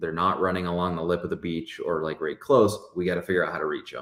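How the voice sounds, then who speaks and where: A very clean recording with a silent background, in an American accent. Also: man. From Connecticut, US Northeast. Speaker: kayak angler, video creator. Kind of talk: casual interview chat. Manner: hesitant, many fillers.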